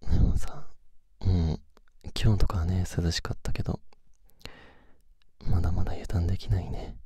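A man doing casual, intimate pillow talk in a soft, breathy whisper, close to a binaural microphone. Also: low voice, steady tone, normal speed, dry recording. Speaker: host of a pillow-talk audio series.

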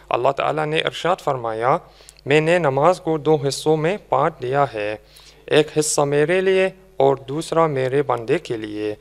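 A man preaching a sermon in a measured way, slowly drawing out the verses he recites. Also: medium pitch, gravelly. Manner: measured preaching, slow drawn-out Quran recitation.

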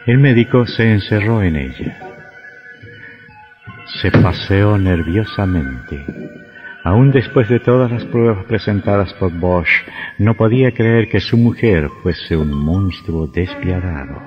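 A man narrating a radio drama in a measured, suspenseful way. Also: low voice, animated. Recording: dull lo-fi audio with faint music.

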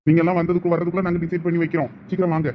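A man playing a brisk, high-voiced tour organiser. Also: level tone, dull audio, a little hiss or hum, lightly acted. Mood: reassuring. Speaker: tour group organiser in a village comedy skit.

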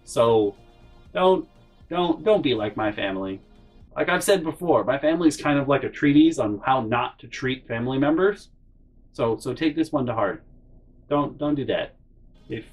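A young man talks through an old hurt in a storytime monologue. He sounds bitter and emotional and swears freely, and his voice jumps high when he is upset. Faint music plays underneath. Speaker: channel host. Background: faint background music.

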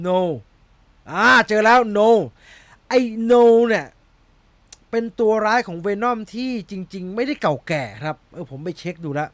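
Chatty Thai man with a high voice. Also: dry recording. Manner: rambling, laughs at himself, fumbles over a name. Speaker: movie news host. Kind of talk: casual chat about film news.

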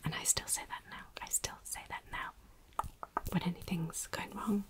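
A woman's voice: on the low side, fairly even intonation, normal speed. Whispering woman with a Yorkshire accent. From Yorkshire, England. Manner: soft repetitive whispering of single words. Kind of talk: whispered ASMR teaching of dialect words.

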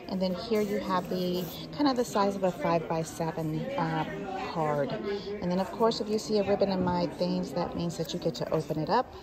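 A friendly, chatty woman with a slightly low voice shows off her scrapbook work piece by piece. She talks into a handheld phone in a big convention hall full of crafters. There is steady crowd chatter all around her. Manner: chatty, friendly, walking through each detail. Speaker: paper craft channel host. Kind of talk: casual craft show-and-tell vlog.

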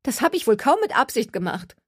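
A woman voicing a whiny, dramatic young woman who complains loudly. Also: very animated, a little fast, slightly rough, no echo, studio quality. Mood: snappish. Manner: complaining, high and loud.

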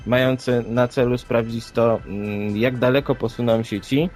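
A man co-hosting a podcast, discussing reports conversationally in a halting, hesitant way with filler words. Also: mid-range voice, steady tone, darkish tone. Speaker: podcast co-host. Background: background music.

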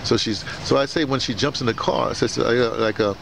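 A man's voice: medium pitch, brisk, gravelly. A man interviewing someone in a casual, rambling way, often stammering and repeating words and phrases. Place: outdoors beside a building. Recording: noisy outdoor camera sound, urban ambience.

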